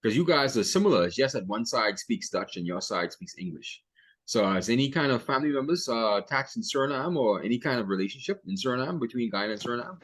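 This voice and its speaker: A man's voice: mid-range voice, animated, fast, a bit bright, husky. A man hosting a podcast, asking questions in a chatty, casual interview style. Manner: chatty, many short backchannels. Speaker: podcast host.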